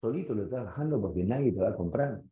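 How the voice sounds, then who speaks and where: Animated Peruvian economics teacher. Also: male voice, on the low side, quick pace. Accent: Peruvian Spanish. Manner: animated, questioning, storytelling. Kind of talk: lively classroom lecture. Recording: echoey room, dull sound.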